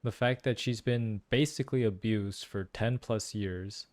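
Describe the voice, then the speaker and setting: A gaming streamer reacts to a story quest, his voice lowish, a little slow, and somewhat dark in tone. He muses casually through the playthrough, offering commentary and analysis and repeating phrases for emphasis.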